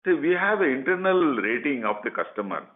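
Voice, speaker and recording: A man with an Indian accent, speaking as a company executive answering questions on a conference call, haltingly and with repeated phrases. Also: on the high side, big pitch swings. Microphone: telephone conference line. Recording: muffled conference phone line.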